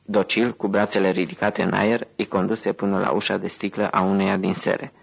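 Reading an audiobook evenly and steadily, a male narrator uses a deep, husky, gravelly voice whose pitch stays level the whole way through. The audio quality is poor.

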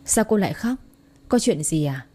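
A woman voicing a kind hospital nurse who gently asks after her patient. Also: on the low side, expressive, normal speed. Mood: gentle. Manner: gentle and solicitous.

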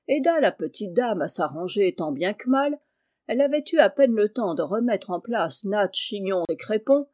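Audiobook reader, woman, mellow and expressive, steady narration. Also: medium pitch. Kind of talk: reading a classic novel aloud.

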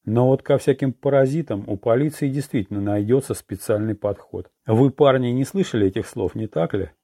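A man voicing a stern, blunt middle-aged police commissar who speaks gruffly and sarcastically in an audiobook. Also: medium pitch, a little fast, warm tone, no echo, studio quality, natural voice.

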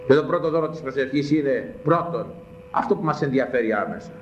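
A man's voice: medium pitch, animated, a little hiss or hum. A man preaching a sermon, emphatic, firing repeated rhetorical questions at his listeners. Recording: echoey muffled room recording with faint ambience.

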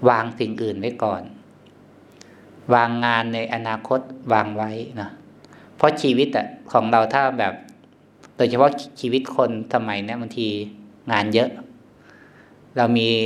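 A Thai monk leads a meditation retreat in a gentle, unhurried voice at a middle pitch. He pauses often, fills the gaps with soft murmurs and lets out a quiet chuckle between points. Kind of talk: dharma talk at a meditation retreat.

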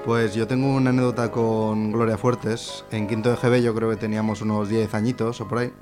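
A man's voice: lowish voice, little pitch movement, a little fast, over music. A man with an accent from Spain, casually telling an anecdote as a radio collaborator.

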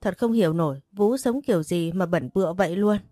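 A woman's voice: on the low side, brisk, dark tone, no room sound, faint music behind, close to an everyday voice. A woman voicing a spoiled, whiny young woman guest who pleads and sneers, in a storybook. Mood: sneering.

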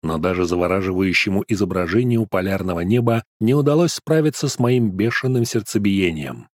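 Man, audiobook narrator, low voice, steady even reading, dry close recording. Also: a little fast, dry recording. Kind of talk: scripted first-person fantasy narration.

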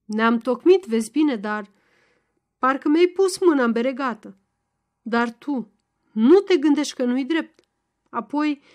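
A woman voicing a stubborn, crafty old peasant father-in-law who speaks in a loud, gruff, mocking way. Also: on the high side, lightly acted.

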